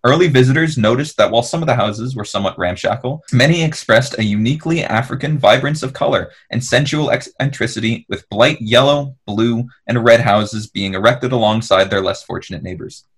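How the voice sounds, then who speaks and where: A man's voice: medium pitch, a little fast, hardly any pauses, slightly rough. A man hosting a podcast, telling a history story in a wry, casual way over a remote call. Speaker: podcast host. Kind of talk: storytelling narration with casual banter.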